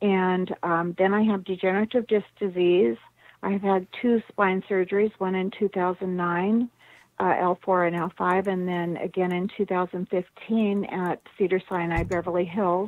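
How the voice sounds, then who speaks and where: In an unremarkable speaking voice, a woman speaks at a medium pitch and a moderate pace with fairly even intonation. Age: 60s. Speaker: nurse practitioner and chronic pain patient. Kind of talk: interview.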